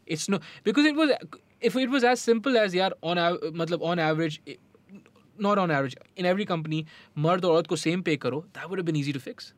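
A man's voice: high voice, lively intonation, racing, dry recording. A man with a South Asian accent explaining things casually and didactically, switching between Hindi-Urdu and English and checking in with rhetorical questions. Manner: mixes Hindi-Urdu and English mid-sentence. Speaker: podcast host.

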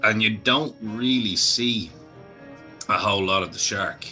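A man's voice: fairly low pitch, unhurried, sharp tone, soft background music. A man hosting a horror film podcast, chatting casually, swearing and laughing easily. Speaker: podcast host.

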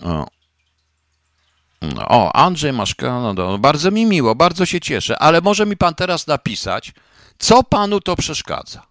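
A man's voice: on the high side, sing-song, a little slow, a bit bright, no echo. A middle-aged man hosts a live online show, combative and swearing now and then as he presses his chatters with the same question again and again. His voice swings widely up and down, and the sound is close and dry with no room around it. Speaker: online radio host reading a live chat. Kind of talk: casual live broadcast talk answering chat comments.

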